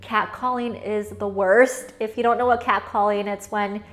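A woman's voice: medium pitch, fairly even intonation, normal speed, fairly bright tone. A young woman vlogging from her living room, chatting casually with frequent laughs and fillers. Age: young adult. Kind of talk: casual talking-head vlog.

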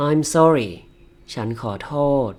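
A man teaching English to learners through slow repeat-after-me drills. He says each short phrase twice, splitting it into separate words, then explains it. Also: fairly high pitch, animated, a little mellow.

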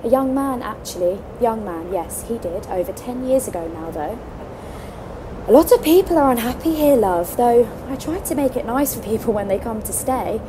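Actress as a high-voiced, motherly research scientist. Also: animated, moderate pace, natural voice. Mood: wistful. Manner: motherly, reflective, reassuring. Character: kindly, long-serving woman Arctic scientist, gently stubborn. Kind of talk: audio drama acting. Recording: noisy stormy outdoor ambience.

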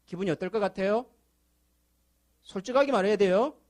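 High-voiced pastor preaching a sermon. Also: male voice, fairly quick, a little mellow. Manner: storytelling to children, asks the congregation questions, rising to fervent appeals. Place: church sanctuary.

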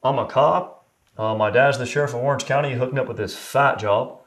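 A man's voice: mid-range voice, fairly quick, natural voice. A man doing a slacker surfer-dude cop. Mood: laid-back. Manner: laid-back, drawling, says dude. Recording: roomy echo.

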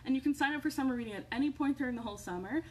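Young woman, children's storytime host, animated, encouraging, upbeat, recorded at home. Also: high voice, rapid-fire, slight background noise. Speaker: children's librarian hosting storytime. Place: indoors, living room at home.

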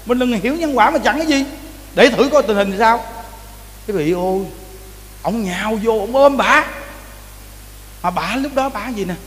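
High-voiced Southern Vietnamese man preaching. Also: normal speed, long pauses. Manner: animated storytelling, repeats words, addresses the audience often. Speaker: Buddhist preacher. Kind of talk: sermon. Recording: reverberant hall with faint noise.

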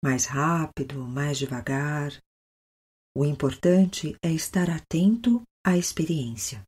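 Brazilian female meditation guide, soothing yoga-teacher delivery, mellow and breathy, pausing often. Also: deep voice.

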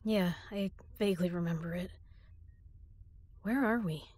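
Woman voicing a young prisoner, gentle, grateful, slow, dry close mic, intimate audio drama. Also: fairly low pitch, no echo. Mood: tender. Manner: soft, breathy, often whispered.

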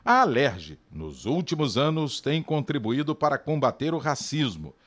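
A man reading a scripted news report in a measured newsreader delivery. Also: medium pitch, sing-song, fairly bright tone.

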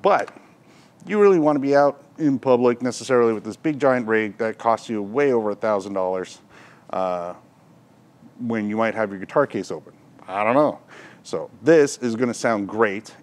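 A middle-aged man giving a casual, chatty product demonstration, explaining as he goes. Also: mid-range voice. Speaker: shop presenter reviewing audio gear. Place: indoor electronics shop.

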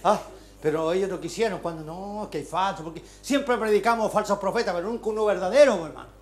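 A man with a Chilean accent preaching a sermon, moving between soft, confiding talk and fervent shouting. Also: high voice, quick pace. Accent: Chilean Spanish. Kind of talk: Pentecostal-style sermon. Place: church hall. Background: congregation calling out amens.

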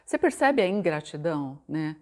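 A Brazilian woman giving a motivational relationship talk in a conversational way, often asking tag questions and reciting mantras slowly and softly. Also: low-pitched, big pitch swings. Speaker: self-help and relationship coach.

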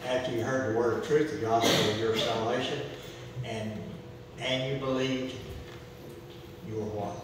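A man's voice: medium pitch, steady tone, normal speed, noisy background. Man leading a Bible study. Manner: quotes scripture, prompts the group with questions. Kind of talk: church Bible study teaching. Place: church fellowship hall. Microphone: far camera. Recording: echoey hall from far off.

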